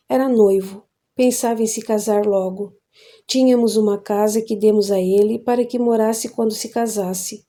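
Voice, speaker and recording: A woman narrating an audiobook in a calm, measured reading voice. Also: a little high. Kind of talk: audiobook narration of a spiritist novel.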